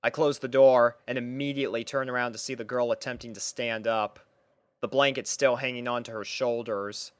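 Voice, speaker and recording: A man's voice: medium pitch, fairly even intonation, normal speed, clear, resonant tone, no echo. A young man reading a scripted first-person story as its narrator.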